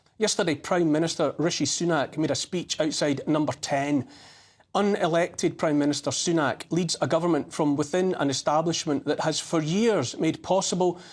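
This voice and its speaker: A man with a fairly high pitch and ordinary pitch variation is heard on a very clean recording with a silent background. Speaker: TV presenter. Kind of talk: TV opinion monologue. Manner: impassioned, emphatic.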